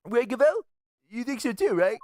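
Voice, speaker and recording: A woman's voice: on the high side, very animated, normal speed, darkish tone. A woman voicing a cocky, taunting boy detective in a live reading of a game. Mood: boastful. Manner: boastful, taunting. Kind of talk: live voiced game playthrough.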